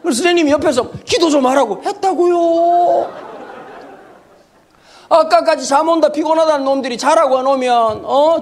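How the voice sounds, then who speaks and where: A man pastor giving a humorous sermon lecture in a church, talking in an animated, comic way and acting out the voices he quotes. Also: very high-pitched. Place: church sanctuary.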